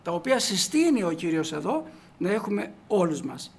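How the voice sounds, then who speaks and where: A man preaching a sermon to his congregation, emphatic, swinging from quiet asides to loud declarations. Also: sits high, very animated, creaky, husky. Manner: addresses the congregation as brothers.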